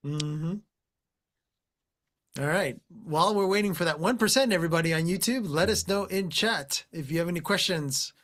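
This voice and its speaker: Upbeat co-host man, slightly higher voice. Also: normal speed, fairly bright tone. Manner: upbeat, addresses the audience. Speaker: livestream co-host. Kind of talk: casual live chat.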